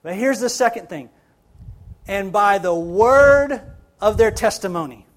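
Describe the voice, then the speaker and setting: A man's voice: sits high, lively intonation, measured pace. A man preaching a sermon as pastor, building emphasis and repeating phrases for stress.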